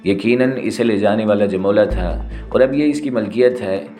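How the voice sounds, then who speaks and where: A man's voice: lowish voice, warm tone, faint music behind, natural voice. Man voicing a grave, sorrowful tribal chief. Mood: solemn.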